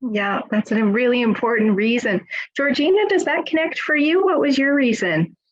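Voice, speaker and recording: A middle-aged woman, a nursing school director, moderating a webinar panel with a warm, encouraging way of asking questions. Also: a little high, lively intonation, moderate pace. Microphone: video call. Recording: slightly dull video-call audio.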